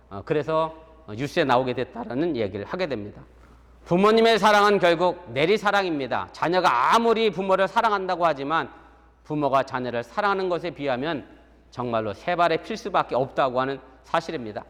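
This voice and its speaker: A middle-aged man from Korea delivers a relaxed, story-driven sermon as a pastor and slips into the voices of the people he quotes. His voice sits a little above the usual male range. The sanctuary gives it a long, ringing reverb. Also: fairly high pitch. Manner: chatty, acts out quoted voices, chuckles at his own stories. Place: church sanctuary. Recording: long church hall reverb.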